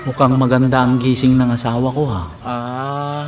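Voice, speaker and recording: A man acting as an affectionate, teasing husband in a comedy skit, flattering his wife and calling her darling. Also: medium pitch, normal speed, lightly acted. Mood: playful, flattering. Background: background music.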